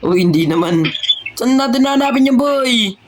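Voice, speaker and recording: An excited host in a game role-play who barks quick commands and repeats words. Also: mid-range voice, very noisy. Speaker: gamer host.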